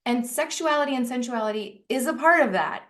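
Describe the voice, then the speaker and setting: Woman podcast host, slightly high voice, rambling and chatty, lots of "like" and restarts. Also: lively intonation, fairly quick, fairly bright tone. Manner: chatty, searching for words with many restarts and fillers; laughs often while talking. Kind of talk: casual interview chat.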